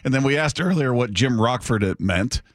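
A man's voice: medium pitch, animated, a little fast, no echo, clean studio sound. A man with an American accent hosting a sports talk radio show, chatting casually with frequent chuckles and restarts. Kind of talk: casual chat.

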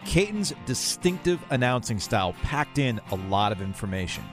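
A man's voice: medium pitch, very animated, normal speed, music in the background. A man hosting a sports podcast, narrating a scripted story about local sports.

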